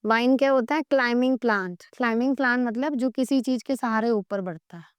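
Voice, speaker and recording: A woman with an Indian accent teaching English vocabulary in Hindi, reading English definitions slowly and quizzing her students. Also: on the high side, clean tone, no echo, studio quality. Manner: explains in Hindi, reads English definitions slowly, asks the class questions. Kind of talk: classroom vocabulary lesson.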